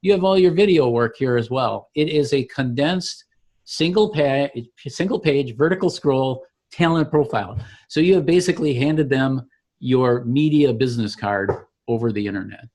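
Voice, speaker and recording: A man presents his product in an informal walkthrough. He explains each step as he clicks through it, with the pitch of a salesman. His voice sits at a middling male pitch. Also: moderate pace, a little mellow. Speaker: company founder demonstrating his product. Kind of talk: informal software demo walkthrough.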